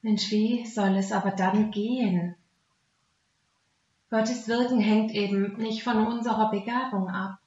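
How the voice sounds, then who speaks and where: A woman's voice: medium pitch, steady tone, unhurried, darkish tone. A woman with a Swabian German accent giving a devotional talk as a Christian speaker, plain-spoken, earnest and conversational. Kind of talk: devotional talk mixing Bible teaching and personal testimony. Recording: roomy echo, dull muffled sound.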